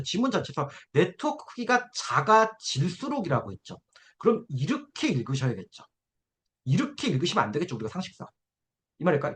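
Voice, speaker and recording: Lively high-pitched male tutor coaxing students. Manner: coaxing, keeps checking in with students. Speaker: essay-writing instructor. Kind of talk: lecture to exam students.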